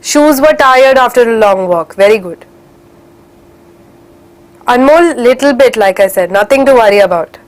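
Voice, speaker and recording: A woman's voice: on the high side, expressive, moderate pace, long pauses. A young woman teaching an online English class for children in Indian English, encouraging and slipping in Hindi phrases, a little stuffy from a cold.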